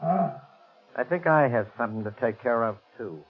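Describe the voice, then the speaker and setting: An actor playing a curt, suspicious amusement park manager in a 1940s radio drama. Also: male voice, medium pitch, lively intonation, a little slow, loud music behind the voice, natural voice. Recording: muffled old 1940s radio recording.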